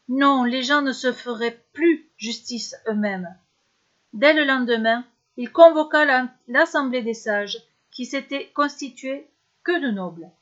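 A woman narrating a serialized story in a steady, measured way. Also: high-pitched, dull audio.

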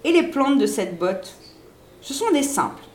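A woman's voice: sits high, big pitch swings, a little slow, darkish tone, reverberant, a little hiss or hum, pitched above the performer's own voice. A woman voicing a cheeky, defiant little girl who is a witch, talking in a brash, boastful way. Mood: mocking.

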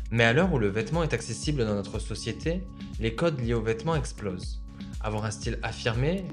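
Young male podcast host, measured. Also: medium pitch, darkish tone. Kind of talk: scripted podcast intro, then interview questions.

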